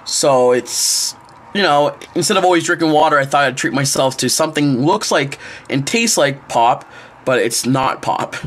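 In a small home kitchen and living room, a young guy chats to a wide-angle camera held close for a casual vlog, rambling and using lots of fillers. His medium-pitched voice is expressive and a bit bright, moving at a moderate pace.

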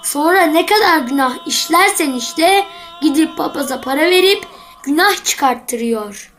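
A cheeky little schoolboy from a comic cartoon. The voice is extremely high and childlike. He sounds confident and witty, lecturing like a pious know-it-all with an answer for everything. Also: lively intonation, measured pace, fairly bright tone. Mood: earnest, explaining. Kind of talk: scripted comic cartoon dialogue.

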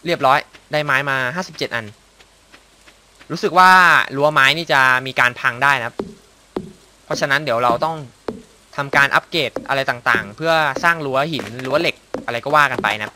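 A man's voice: a little high, noisy background. A young man commentating casually as he plays a video game, exclaiming, muttering to himself and making little sound effects. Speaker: gameplay commentator. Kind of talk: casual let's-play commentary.

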